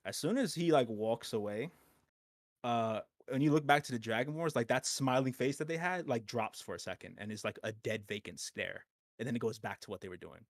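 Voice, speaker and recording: A man's voice: medium pitch, brisk, no echo, clean studio sound. A man narrating as game master of a tabletop game, rambling with lots of fillers and frequent laughter.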